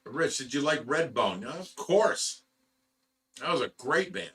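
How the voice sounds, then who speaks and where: Male livestream host, bright tone, banter and laughs, slightly distant from the mic. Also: medium pitch, expressive, slow pace, husky. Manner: laughs often, jokey banter. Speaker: livestream host reading chat. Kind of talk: casual livestream chat. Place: indoors at a fish rescue.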